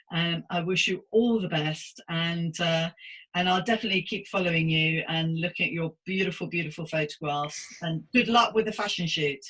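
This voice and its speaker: A woman's voice: fairly low pitch, a bit bright, rough recording. A woman hosting a conversational interview podcast, chatty and affirming, rephrasing as she goes. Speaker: podcast host.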